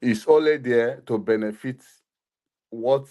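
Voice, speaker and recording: A man from Nigeria speaking haltingly with many pauses as a panelist in a live online discussion. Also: mid-range voice, muffled recording. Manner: halting, hesitant, many fillers. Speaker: panelist on a live audio show.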